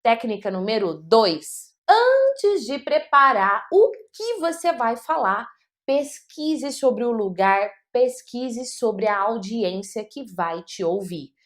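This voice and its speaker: A woman's voice: a little high, very animated, slow pace. A woman teaching public speaking tips, talking straight to the viewer with emphatic points and rhetorical questions. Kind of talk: motivational teaching talk.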